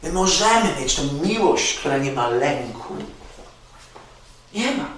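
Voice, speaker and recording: A man's voice: a little high, lively intonation, moderate pace. Man, preacher, earnest sermon, heavy echo, distant mic. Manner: earnest, repetitive exhortation with sudden loud rises and soft drops. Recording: very echoey, distant mic with faint noise.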